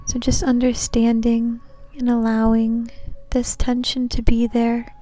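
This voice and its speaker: A woman leading a guided meditation in a soothing, gentle, unhurried manner. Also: a little high, monotone. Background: soft background music.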